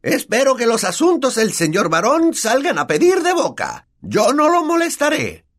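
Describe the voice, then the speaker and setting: A shrill, spiteful poltergeist in a storybook reading, sneering and then wheedling. The voice climbs very high and swings wildly in tone. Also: male voice, huge pitch swings, moderate pace, a bit bright, exaggerated voice. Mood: fawning. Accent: Latin American Spanish. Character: spiteful floating male poltergeist, fawning when scared.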